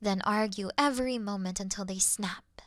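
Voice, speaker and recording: A woman playing an awkward, officious moth girl in a sleep-aid ASMR roleplay, speaking softly and deliberately in a dry bedside murmur that slips into whispers. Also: mid-range voice, dry recording, natural voice. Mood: soft, musing. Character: awkward, officious young female moth monster offering comfort.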